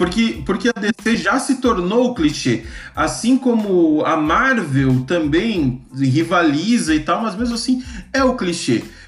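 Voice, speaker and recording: A man with a high pitch speaks at a very slow pace, making very wide pitch swings while keeping very even loudness over noticeable background noise. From Brazil, rural northwest Rio Grande do Sul. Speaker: podcast host. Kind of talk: casual chat.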